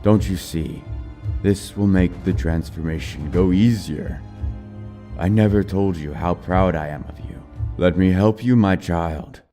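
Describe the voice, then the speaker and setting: A man's voice: deep voice, unhurried, dark tone, faint music behind. A man voicing a crazed middle-aged father turning into a monstrous creature, fervent, imploring and menacing, in a horror audiobook. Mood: gentler coaxing. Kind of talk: dramatized horror audiobook acting.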